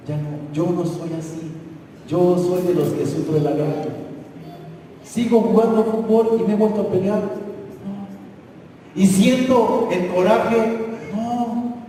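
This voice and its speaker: A man's voice: high-pitched, a little hiss or hum. A man preaching a sermon as pastor, speaking conversationally and putting questions to his congregation, with bursts of raised voice. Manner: conversational, asks the congregation questions, rising to shouts. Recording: echoey hall from a distance.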